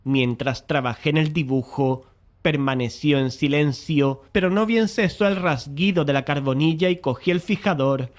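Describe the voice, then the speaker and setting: A man playing a painter who narrates a dramatized horror tale in a measured, literary way, curious and uneasy. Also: a little high, close to an everyday voice. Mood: calm, reflective. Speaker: narrator and lead character.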